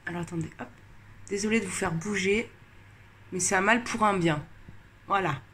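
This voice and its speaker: A tired, slightly congested woman chatting casually while coloring, rambling with many hesitations and pauses. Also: mid-range voice, fairly bright tone. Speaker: coloring vlogger.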